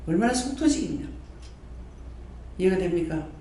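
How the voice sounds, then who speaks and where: A male pastor, preaching a sermon with animated repetition and frequent questions to his congregation. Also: high voice, normal speed, slight background noise. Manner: animated preaching, repeats phrases, quizzes the congregation. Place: church prayer hall. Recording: very echoey hall, mic far off.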